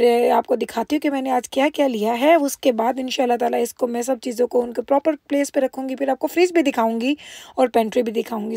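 A woman's voice: high voice, vocal fry, mellow. A woman talks through her vlog in a chatty, informal way. She drops English words into her sentences as she goes. The sound is dry, with hardly any room echo, like a close voice-over. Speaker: vlogger, homemaker. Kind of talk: casual shopping vlog narration.

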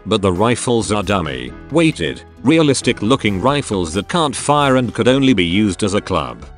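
Male narrator for read-aloud stories: low voice, very lively intonation, soft music under him. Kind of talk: scripted narration of online posts.

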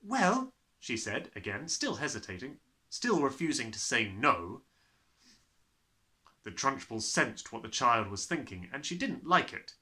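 A young man narrating a children's book in an expressive storytelling style. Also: medium pitch, unhurried. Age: young adult. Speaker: storybook reader.

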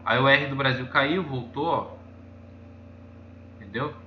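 Brazilian male YouTuber, casual rambling chart commentary, bright tone, roomy dull recording with faint noise. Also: mid-range voice, measured pace. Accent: Brazilian Portuguese. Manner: rambling, constantly saying "ó" while pointing at charts. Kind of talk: casual screen-share commentary. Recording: echoey room, dull lo-fi sound, faint noise.

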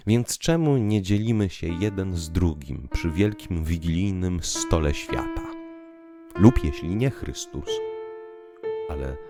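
Male narrator for literary audio drama: deep bass, unhurried, declamatory, hushed to emphatic, over music. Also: gravelly. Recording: piano music behind the voice. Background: piano music.

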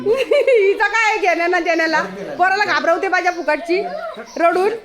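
A woman's voice: very high-pitched, moderate pace, crowd noise. A woman vlogging outdoors, chatting casually and coaxing animals along the street. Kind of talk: casual outdoor vlog chat.

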